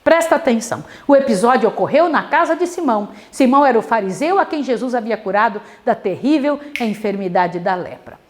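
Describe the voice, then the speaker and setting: High, animated woman preaching. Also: a little fast, few pauses, a little hiss or hum. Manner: dramatic storytelling, questions to listeners. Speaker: Bible study teacher. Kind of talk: devotional Bible study sermon.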